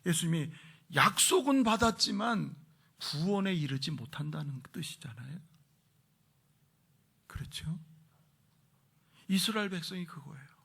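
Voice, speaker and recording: Male pastor, church sermon, slightly high, gravelly voice, emphatic with whispered stresses. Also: a bit bright. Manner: leads the congregation in responsive reading. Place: church sanctuary.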